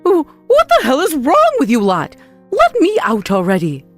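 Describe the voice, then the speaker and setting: A woman's voice: high voice, huge pitch swings, normal speed, pitched above the performer's own voice. A woman voicing a greedy, manipulative middle-aged mother in a comic dub, with a theatrical, wheedling way of talking. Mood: indignant. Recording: voice over background music.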